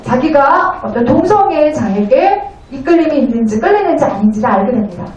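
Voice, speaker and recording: High-voiced woman interpreter in echoey room. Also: very animated, darkish tone, recorded from a distance. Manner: halting, polite formal phrasing. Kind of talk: consecutive interpreting of a lecture. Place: echoey indoor venue.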